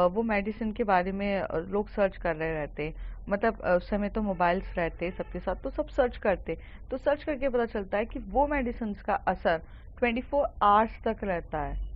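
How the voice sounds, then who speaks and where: Casual woman storyteller, lo-fi. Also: medium pitch. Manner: casual, with many hesitations.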